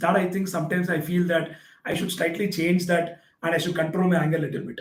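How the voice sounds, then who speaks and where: Very fast speech delivered with an Indian accent. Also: man. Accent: Indian English (Telugu). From India, Telangana. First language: Telugu. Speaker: chartered accountant and tax teacher. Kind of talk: live Q&A session. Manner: casual, conversational.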